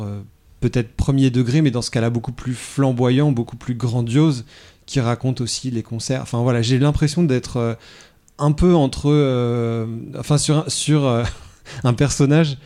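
A man on a podcast panel who reads a short summary and then talks hesitantly, with many pauses and fillers. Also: mid-range voice, mellow. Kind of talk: casual podcast chat.

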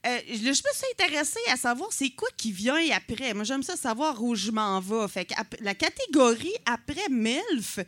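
A woman in her forties with a Quebec French accent performs a stand-up set. Her voice sounds bright and a bit high, and she mocks herself in a chatty way, full of filler words. The recording is dry and close. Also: sing-song, normal speed, few pauses, no room sound. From Quebec City, Canada. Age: 40s. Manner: self-mocking, chatty, with many fillers. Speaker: stand-up comedian. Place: comedy night on stage.

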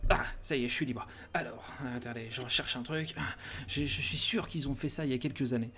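A man voicing an excitable male office worker who talks in loud, blustering bursts. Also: mid-range voice, a little fast, natural voice. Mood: rambling.

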